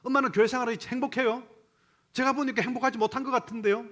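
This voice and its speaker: A man's voice: fairly high pitch, big pitch swings, fairly quick, fairly bright tone, husky, full character voice. A man doing a defiant teenage son. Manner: pleading, exasperated. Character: defiant teenage son talking back to his mother. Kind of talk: quoted dialogue within a sermon.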